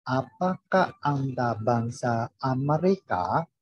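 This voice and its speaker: A man learning a language, carefully and haltingly reciting drill sentences over an online call. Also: medium pitch, lively intonation, crowd noise. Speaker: language student. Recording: dull, roomy online call recording.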